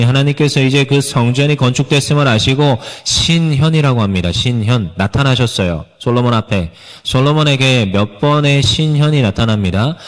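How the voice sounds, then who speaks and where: A man preaching a sermon as a pastor, earnest, sometimes acting out pleading prayers. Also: mid-range voice. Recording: long hall reverb.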